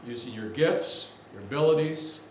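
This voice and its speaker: A man with a big voice preaching a sermon as a guest preacher, energetic and conversational, with asides to the congregation. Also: medium pitch, moderate pace, a little hiss or hum. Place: large church sanctuary. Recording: very echoey church from a distance.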